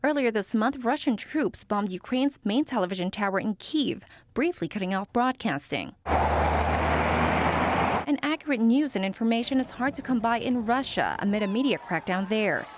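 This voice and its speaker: Woman reporter reading a scripted news piece, voice on the high side. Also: lively intonation, normal speed, slight background noise.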